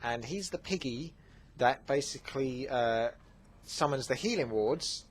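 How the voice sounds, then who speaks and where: A man's voice: mid-range voice, a little slow, breathy edge. Chatty Essex man answering questions. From England. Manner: relaxed, chatty, lots of fillers. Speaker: gaming channel host. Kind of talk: casual Q&A commentary.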